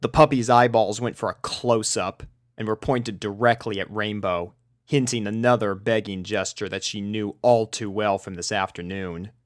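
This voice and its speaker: A young man reading a fan story aloud in a measured, gentle narration. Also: lowish voice, fairly even intonation, dry recording, clean studio sound. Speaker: fanfiction reader.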